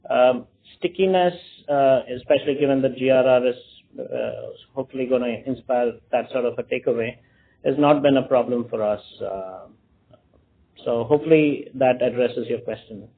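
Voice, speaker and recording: A man with a mid-pitched voice answers analysts on an earnings call. He pauses often and fills gaps with "uh" and "sort of". The sound is narrow and tinny, like a phone line. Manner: hesitant, many fillers. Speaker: company executive.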